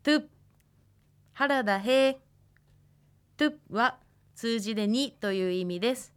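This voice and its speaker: A woman in her twenties from Hokkaido, teaching a radio language lesson, with patient, careful explanations and slow model pronunciations. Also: fairly high pitch, clean tone. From Hokkaido, Japan. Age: 20s. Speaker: language lecturer.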